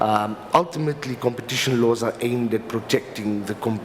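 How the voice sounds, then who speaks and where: Over noticeable background noise, a man with a South African accent talks at a medium pitch and moderate pace with ordinary pitch variation. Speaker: legal expert, panelist. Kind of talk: panel talk. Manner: hesitant, many fillers and repeats.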